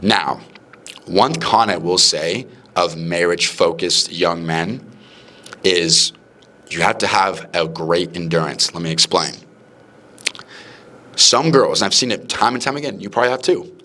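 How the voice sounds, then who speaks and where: A young man hosts a relaxed podcast conversation with a deep yet bright, forceful tone. He talks in an animated way and jumps into playful imitations of the people he describes. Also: unhurried, pauses often. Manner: animated, acts out quoted people in raised voices. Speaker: podcast host. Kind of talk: casual podcast chat.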